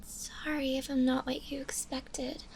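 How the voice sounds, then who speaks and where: A woman voicing a shy, gentle undead zombie girl in an ASMR roleplay, speaking softly and breathily in a hesitant, bashful way, often in a whisper. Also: high-pitched, level tone, vocal fry, a little hiss or hum. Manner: hesitant, bashful, halting with small giggles.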